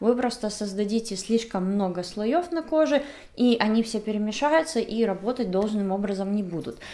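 A woman with a dark, mellow tone, fairly high pitch, lively intonation and a moderate pace. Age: 30s. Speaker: beauty vlogger. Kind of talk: tutorial.

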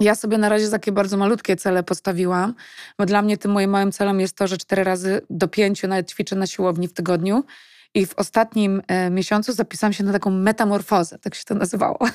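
A woman talks very fast in a flat monotone at a medium pitch. The recording is very clean with a silent background and a dry, close sound with no echo. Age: 40s. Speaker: videocast host, bank employee. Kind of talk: casual conversation.

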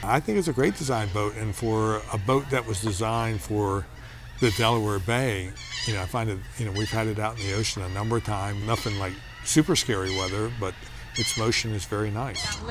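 Amid noticeable background noise, a man talks at a fairly quick pace in a dry sound with no echo. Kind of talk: interview answer. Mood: fond, appreciative. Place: waterside.

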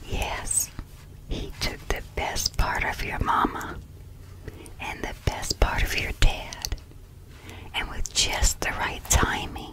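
Whispering very slowly, a woman speaks with long, frequent pauses. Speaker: ASMR storyteller. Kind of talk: ASMR whispered bedtime story reading. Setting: home recording, close mic. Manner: whispered.

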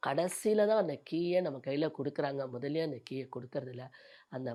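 A woman's very deep, low voice with ordinary pitch variation against a quiet background. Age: 60s. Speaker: retired teacher, astrology student. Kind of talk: testimonial. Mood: warm, earnest recommendation. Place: home room.

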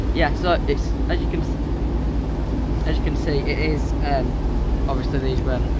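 A man speaks at a fairly slow pace over loud background noise. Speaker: railway enthusiast vlogger. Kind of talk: casual vlog chat. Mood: light-hearted, joking. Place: train. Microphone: phone near.

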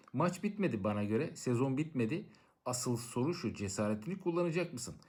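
Using a plain, everyday voice, a man talks at a medium pitch with lively intonation. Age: 50s. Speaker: entrepreneurship coach. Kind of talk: motivational monologue.

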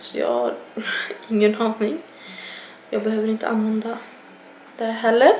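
A woman at a moderate pace with fairly even intonation and long, frequent pauses, amid light background noise and audible room echo. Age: 20s. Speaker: vlogger. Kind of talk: Q&A tag video, casual monologue. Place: home room. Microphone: webcam.

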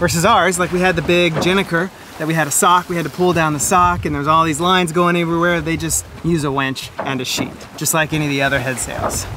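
At a very fast pace, a man with a high pitch speaks in fairly even intonation, the sound dry with no echo and noticeable background noise. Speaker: sailing vlogger. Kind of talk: casual vlog chat. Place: boat. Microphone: phone near.

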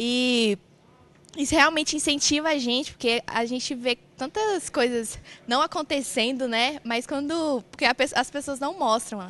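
A woman speaks at a high pitch with ordinary pitch variation, the sound dry with no echo. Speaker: education student. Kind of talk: interview testimonial. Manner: enthusiastic. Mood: warm, enthusiastic. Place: street. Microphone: handheld.

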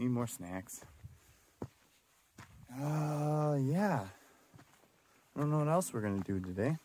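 A man at a fairly slow pace, lively intonation, dry sound with no echo. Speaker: van life vlogger. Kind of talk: casual vlog chat. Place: open country. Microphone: phone near.

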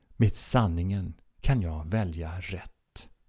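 A man speaks at a very slow pace in a very deep, low voice with a dark, mellow tone, somewhat breathy, with ordinary pitch variation. The recording is very clean, with a silent background. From Stockholm, Södermalm. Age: 50s. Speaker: former police officer turned author. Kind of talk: reading aloud; scripted monologue.

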